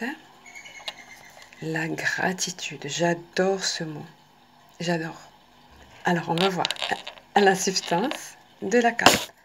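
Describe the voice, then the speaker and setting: A woman giving a live oracle card reading, speaking softly and often slipping into a whisper as she reads each card's message aloud. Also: medium pitch, slight background noise. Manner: slow, soft, often drops to a whisper.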